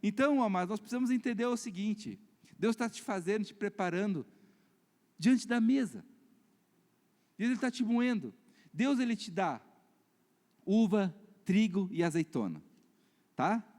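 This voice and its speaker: A Brazilian man preaches in a church, his voice sitting fairly high for a man. He moves from fervent, raised passages to hushed, confiding stories. The sound carries a long reverb from the hall. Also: moderate pace, pauses often. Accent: Brazilian Portuguese. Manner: animated, swings between loud preaching and quiet storytelling. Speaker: pastor. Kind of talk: sermon.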